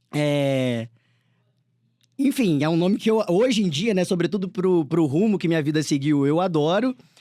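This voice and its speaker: With a strong carioca accent, a man speaks at a moderate pace in a high pitch and a dark, mellow tone, his intonation lively, his loudness very even, and his pauses long and frequent. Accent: thick Rio de Janeiro (carioca). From Rio de Janeiro, Brazil. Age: 30s. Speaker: police chief and law professor. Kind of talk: podcast interview.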